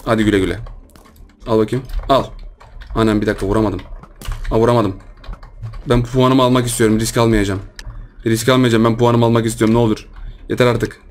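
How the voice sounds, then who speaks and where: A man giving playful, excitable commentary on a Minecraft minigame session as a gaming YouTuber. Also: mid-range voice, fairly quick, long pauses, a little hiss or hum. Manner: excitable, playful, banters with other players. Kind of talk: casual Minecraft let's-play commentary.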